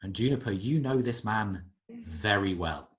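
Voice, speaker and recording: A man's voice: fairly low pitch, unhurried. A man narrating and running a tabletop role-playing game as game master. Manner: lively, descriptive narration.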